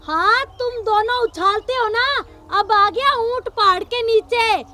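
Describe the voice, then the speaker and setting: Actress as an older rural headwoman mother-in-law, domineering and scolding, very high-pitched. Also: measured pace, noisy background.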